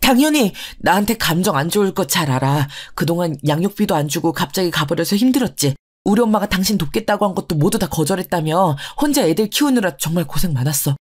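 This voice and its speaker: A woman voicing a cheating ex-husband who smoothly pleads to get back together. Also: on the low side, lively intonation, fast, hardly any pauses, darkish tone. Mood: pleading. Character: cheating ex-husband begging to reunite.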